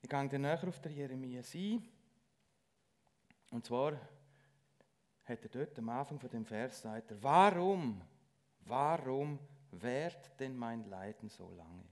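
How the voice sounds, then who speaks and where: Middle-aged guy preaching at church, earnest and halting, starts over a lot. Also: medium pitch, expressive, darkish tone. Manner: earnest, halting, with frequent restarts. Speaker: lay preacher. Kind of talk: church sermon.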